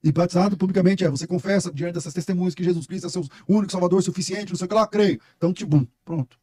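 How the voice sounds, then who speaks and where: A middle-aged Brazilian pastor, appearing as a guest on a casual podcast, talks emphatically and tells stories in a preacher-like manner with a Brazilian Portuguese accent. His voice sits high and mellow, coming out rapid-fire. The recording is studio quality with no echo.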